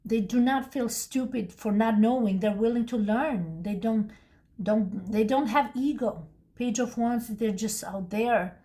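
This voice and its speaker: A woman with a slightly higher voice and a non-native English accent talks through a tarot reading. She rambles casually, often restarting sentences and wandering into personal asides. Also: unhurried, mellow. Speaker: tarot reader.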